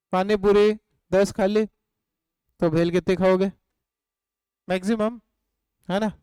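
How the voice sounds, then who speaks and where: A man with an Indian accent teaching an online economics class in a high, clear voice. He asks questions and answers them himself, and he sometimes dictates notes word by word. The recording is close and dry. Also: mellow, no room sound, rough recording. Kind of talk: live online class lecture.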